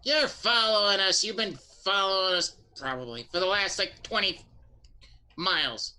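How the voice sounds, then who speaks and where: A man's voice: high voice, moderate pace, pushed and bright. A man playing a tabletop game, bantering casually and crudely with the group.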